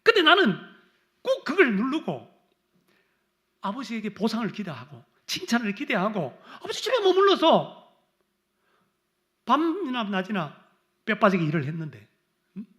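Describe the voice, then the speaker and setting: Animated, bright-voiced male pastor preaching. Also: moderate pace, long pauses. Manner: dramatic, acts out complaints in raised voice, then drops low. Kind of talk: sermon.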